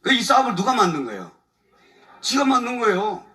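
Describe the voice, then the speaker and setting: A man's voice: high-pitched, big pitch swings, brisk, sharp tone, distant mic. A man, a lawyer, giving a colloquial testimony at a church service, telling his grievances with frequent chuckles. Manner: colloquial, chuckles often, aggrieved storytelling. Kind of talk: animated testimony talk. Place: church evening service before a congregation.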